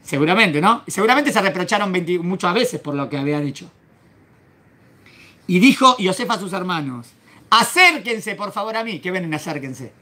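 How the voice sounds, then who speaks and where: Rabbi guy w/ teaching torah class, bright sharp voice, keeps quizzing the students. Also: high-pitched, animated, fairly quick. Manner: questions the class and acts out the verses.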